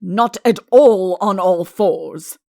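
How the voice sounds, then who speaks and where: A woman's voice: medium pitch, slow pace, vocal fry, darkish tone, no room sound, clean studio sound. A woman voicing a vain, vengeful king in a comic audiobook, curt and haughty with heavy, cold emphasis. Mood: cold outrage. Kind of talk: audiobook comic character acting.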